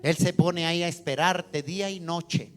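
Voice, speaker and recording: A man preaching a sermon as pastor, moving between quiet asides and loud emphatic climaxes. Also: fairly high pitch, moderate pace, faint music behind. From Colombia. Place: church.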